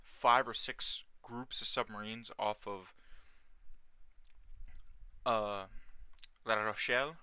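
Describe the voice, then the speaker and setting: A man giving casual, unhurried let's play commentary in a slightly hoarse, sore voice, recorded as a voice-over. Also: on the low side, steady tone, sharp tone, no room sound. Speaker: host of a video game series. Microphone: close dry mic, gameplay voice-over.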